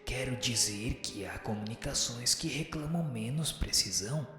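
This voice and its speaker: An actor playing a wise, solemn male spirit who teaches in a formal, measured radio drama manner. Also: mid-range voice, lively intonation, natural voice. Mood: firm, didactic. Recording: reverberant echoing hall, music underneath. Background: music.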